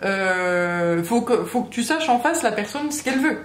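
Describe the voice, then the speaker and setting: A woman's voice: on the high side, expressive, normal speed. A woman giving a channeled tarot reading to the viewer in a casual, hesitant way, with many fillers and restarts. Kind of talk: casual spoken guidance to the viewer. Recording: echoey room with faint background hum.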